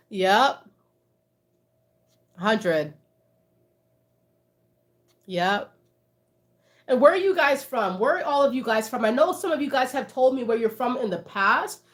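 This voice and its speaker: A woman's voice: fairly high pitch, animated, takes it slowly, pauses often. A woman, chatting casually with livestream viewers, reading out their comments and laughing often. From Canada. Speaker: livestream host.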